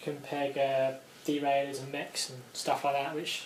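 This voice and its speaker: Mumbling in a British accent, a man with a fairly high pitch speaks over noticeable background noise. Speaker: road cyclist. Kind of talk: casual talk to camera.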